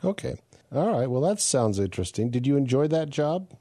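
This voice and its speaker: A man from the United States hosting an interview, asking curious questions and telling relaxed stories about sailing. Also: mid-range voice, fairly quick, dry recording, studio quality. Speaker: podcast host. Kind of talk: casual interview questions and anecdotes.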